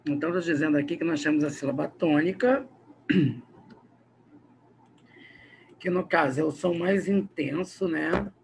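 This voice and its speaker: A man's voice: on the high side, slow, vocal fry, pauses often, background noise. A man teaching a recorded grammar video lesson with a Brazilian Portuguese accent, explaining patiently and often checking in with his students.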